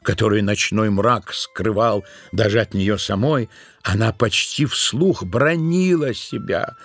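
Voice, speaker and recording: A man's voice: on the low side, slow, a bit bright, full character voice. A man reading scripted literary narration as the narrator of an audio play. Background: music.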